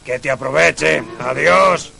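Very creaky, kindly cartoon character. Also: male voice, a little high, slow pace, bright, forceful tone, full character voice. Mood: kindly, generous. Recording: old TV cartoon soundtrack with music.

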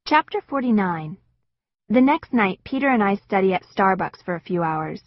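A woman narrating an audiobook in the first person with an expressive, wistful storytelling manner. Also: mid-range voice, normal speed, no echo, muffled recording.

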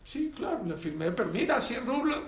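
A man voicing a naive, cheerful poor Hasid who talks in an excitable, high voice in a storytelling sermon. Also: normal speed, reverberant, a little hiss or hum.

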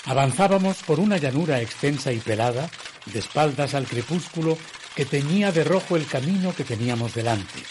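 An actor playing a reflective gentleman who narrates his own eerie tale in a radio drama, in a measured, literary manner. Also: on the high side, expressive, noisy background, natural voice. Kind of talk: scripted first-person radio drama narration.

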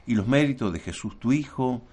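A man speaking as a Catholic priest, giving a homily and leading liturgical prayer in solemn, measured phrases. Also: mid-range voice, animated, warm tone, breathy edge.

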